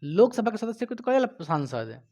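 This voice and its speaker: A male teacher with a Bihari Hindi accent, giving a classroom lecture, quizzing his students and scolding them, loud one moment and quiet the next. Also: sits high, sing-song, normal speed. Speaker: coaching teacher.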